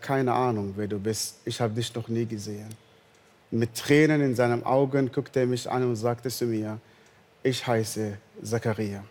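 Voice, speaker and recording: Guy preaching, earnest and slow, long echo around him. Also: medium pitch, darkish tone. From northern Sudan. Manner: earnest, slow storytelling with non-native German grammar. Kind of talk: sermon with personal testimony.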